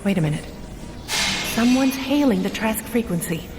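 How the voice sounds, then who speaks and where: A woman's voice: fairly high pitch, lively intonation, moderate pace, music in the background, natural voice. A woman playing a kind, experienced psychic mentor in an audio drama, guiding a recruit with earnest reassurance. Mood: concerned. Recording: echoey, reverberant, noisy.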